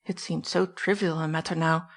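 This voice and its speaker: A woman narrates a classic novel as an audiobook, with a steady, plain delivery. Her voice sits a little low for a woman. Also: moderate pace. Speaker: audiobook reader.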